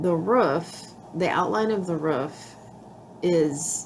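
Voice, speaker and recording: A woman talks over noticeable background noise. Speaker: scrapbooking crafter. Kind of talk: tutorial. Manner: halting.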